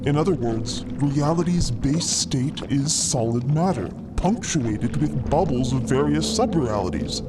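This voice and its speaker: Over a loud bed of rumbling ambience, an excitable little froggy explorer played by a man holds forth. He lectures in long, wordy, delighted explanations, as in an audio drama. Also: a little slow, few pauses, background noise, close to an everyday voice. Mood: lecturing, enthused. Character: eager, frog-like male cosmic explorer, gleeful theorizing savant. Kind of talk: acted fiction podcast dialogue.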